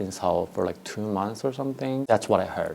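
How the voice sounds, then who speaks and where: A man's medium-pitched voice with ordinary pitch variation and a Korean accent. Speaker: drag queen vlogger. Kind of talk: casual vlog storytime. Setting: home office. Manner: calm; hesitant.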